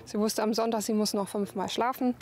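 A woman in her twenties, a soldier, speaking casually in an interview outdoors at medium pitch. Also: fairly even intonation, brisk, darkish tone. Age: 20s. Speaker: soldier and mother being interviewed. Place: outdoors, at a training range and in a garden.

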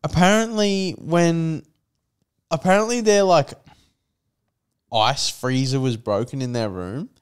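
A man's voice: fairly high pitch, animated, takes it slowly, pauses often, smooth. A young man co-hosting a casual podcast on a living room couch, holding a mic, talking loosely in slang and trailing off mid-sentence. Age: young adult. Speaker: podcast co-host. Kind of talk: casual chat. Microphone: handheld mic.

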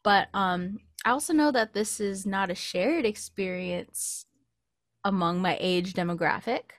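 Podcast co-host: American woman, late twenties, casual anecdotal delivery, mid-pitched, close and dry. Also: animated, a little slow, dry recording. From California, United States. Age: late 20s. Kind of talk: casual chat, personal anecdotes. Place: small indoor home recording setup. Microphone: close studio mic with pop filter.

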